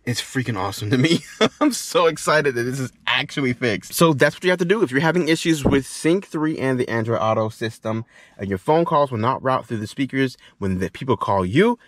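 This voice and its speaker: Male how-to host, casual and expressive, mid-range voice, restates key points, very dry recording. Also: mid-range voice, brisk, dry recording. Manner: repeats phrases for emphasis. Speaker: tech tutorial host. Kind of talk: casual how-to demonstration talk. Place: inside a car.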